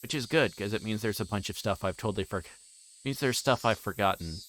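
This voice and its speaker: A man hosting a livestream, chatting casually in a halting, rambling way and often repeating words as he plays a game. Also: on the low side, a bit bright, a little hiss or hum, rough recording. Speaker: livestream host. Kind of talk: casual livestream chat while playing a visual novel.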